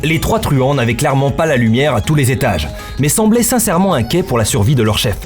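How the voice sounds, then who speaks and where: A man's voice: medium pitch, lively intonation, fast talker. A man narrating a scripted action story in a dramatic style, with music behind him.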